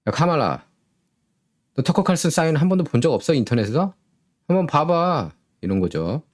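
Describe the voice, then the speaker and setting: A man's voice: on the high side, big pitch swings, normal speed. A man hosting a solo political commentary show, sarcastic and full of rhetorical questions.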